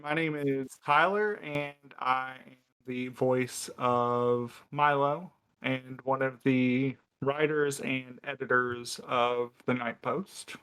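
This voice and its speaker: A man with a bright, crisp and clean voice talks casually as one of a podcast crew. His delivery is dry and a little wry. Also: medium pitch, fairly even intonation, slow pace, few pauses, poor audio. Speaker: podcast cast member, writer and editor. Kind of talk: casual panel chat.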